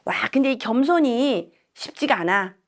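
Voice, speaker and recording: Middle-aged woman teaching fortune stuff, highish voice, animated storyteller, does little voices for people. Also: moderate pace. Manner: chatty, animated storytelling, acts out quoted voices. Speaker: shaman and saju teacher. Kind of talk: casual lecture with anecdotes.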